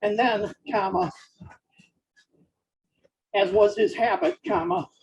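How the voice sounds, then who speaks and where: A person dictating story prose aloud in short, halting phrases and speaking each punctuation mark, with a husky, gravelly voice. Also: medium pitch, fairly even intonation, rough recording.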